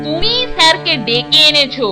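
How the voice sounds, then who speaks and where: A woman's voice: high-pitched, moderate pace, over loud music, lightly acted. A woman voicing a mischievous, food-loving young schoolboy in a cartoon, with an exaggerated, childlike delivery. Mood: dismayed. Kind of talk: cartoon voice acting.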